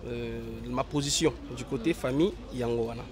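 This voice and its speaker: A young man from Congo with a hoarse voice from a cold, answering interview questions outdoors in a halting, filler-heavy way. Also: medium pitch, crowd noise. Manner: hesitant, many fillers and restarts. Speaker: interview guest, actor. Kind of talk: casual interview, mixing French and Lingala.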